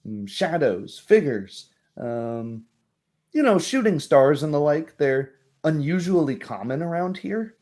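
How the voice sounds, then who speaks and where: A man's voice: fairly high pitch, sing-song, darkish tone, voice pushed up. A man playing a guarded, plain-spoken townswoman in a tabletop game, hesitant and choosing words with care. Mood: wary, hushed. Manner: hesitant, measured, picking words carefully. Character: guarded, plain-spoken townswoman talking over local mysteries.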